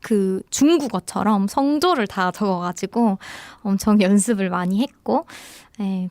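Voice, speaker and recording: A woman's voice: mid-range voice, a little mellow, no echo. A young woman with a Daegu accent, a film director talking reflectively and chattily in a radio interview. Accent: Daegu dialect. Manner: chatty, reflective, laughs often. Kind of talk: casual interview talk. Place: radio studio.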